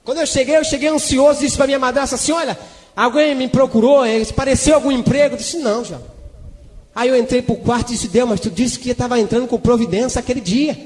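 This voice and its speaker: High-voiced impassioned male preacher. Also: steady tone, fast, darkish tone, in a large hall. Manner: impassioned storytelling, speaking in tongues. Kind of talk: sermon testimony.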